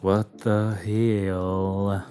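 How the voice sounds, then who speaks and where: A man's voice: on the low side, little pitch movement, very slow, dark tone, soft background music. A man streaming a game, chatting casually and muttering and swearing at what happens on screen. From Albania. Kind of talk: casual gameplay chat.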